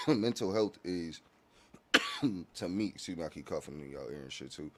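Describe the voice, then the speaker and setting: A very low-voiced man chatting as a podcast guest about his music. His talk is loose and slang-filled, and he keeps checking in with his listener. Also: wildly swooping pitch, slow pace, vocal fry, very noisy. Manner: laid-back, slang-heavy, often asks "you feel me". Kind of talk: casual podcast conversation.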